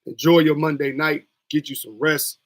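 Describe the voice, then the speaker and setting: A man's voice: on the high side, level tone, moderate pace. A young man with a scratchy voice, chatting loosely in slang as he hosts a livestream. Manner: loose, slangy, rambling talk. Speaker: streamer hosting a wrestling watch-along. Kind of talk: casual livestream chat.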